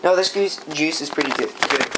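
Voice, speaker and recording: Young female vlogger, low voice, bossy giggly chat, home kitchen, handheld camera, noisy recording. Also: fairly quick. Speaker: vlogger filming friends. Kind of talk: casual kitchen vlog chat.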